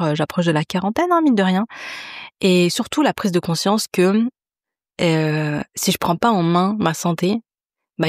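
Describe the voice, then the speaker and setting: A woman's voice: fairly low pitch, no room sound, clean studio sound. A woman, hosting a podcast in a chatty, confiding way, full of fillers and restarts. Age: 30s. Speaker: podcast host. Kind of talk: casual chat.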